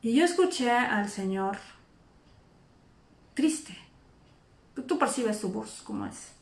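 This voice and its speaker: Animated woman preaching, echoey room. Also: fairly high pitch, takes it slowly. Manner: animated, acts out imagined speakers. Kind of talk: informal sermon.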